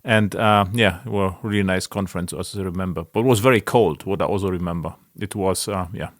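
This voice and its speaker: A man hosting a casual interview podcast, speaking in a halting way with non-native English phrasing. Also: sits low, dry recording, studio quality. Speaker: podcast host.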